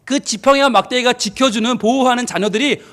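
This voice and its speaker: A man's voice: extremely high pitch, fast talker, a bit bright. A middle-aged male pastor giving a family-service sermon, telling stories and acting out quoted family arguments while asking the congregation questions.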